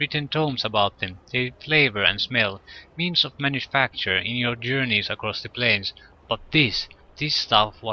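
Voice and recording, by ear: This is reading aloud. The voice sounds natural.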